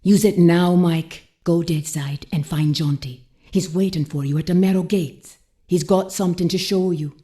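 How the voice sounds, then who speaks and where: An actress voicing a commanding, seductive voodoo priestess in a video game, a mysterious mentor with a portentous, folksy way of talking. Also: female voice, lowish voice, steady tone, normal speed, warm tone, close to an everyday voice. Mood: firm, soothing. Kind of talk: dramatic game cutscene acting.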